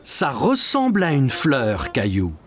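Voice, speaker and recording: A man's voice: medium pitch, wildly swooping pitch, slow pace, soft background music. A man voicing a patient, encouraging father in a cartoon, reassuring and kind. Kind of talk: cartoon dubbing.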